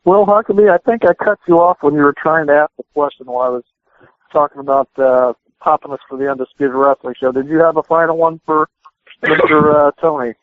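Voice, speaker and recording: A man's voice: fairly high pitch, steady tone, a little fast, no room sound. A man hosting a wrestling show, talking casually as he interviews a guest. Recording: tinny phone-like radio show audio.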